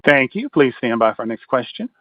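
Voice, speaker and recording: A man's voice: medium pitch, sing-song, fairly quick, no echo. A man working as a conference call operator, reading scripted announcements and instructions. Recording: dry, narrow telephone line.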